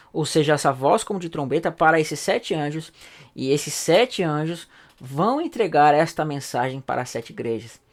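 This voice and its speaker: A man, a pastor teaching a recorded Bible study. He explains patiently, asks rhetorical questions and keeps checking in with tag questions. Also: a little high. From Brazil.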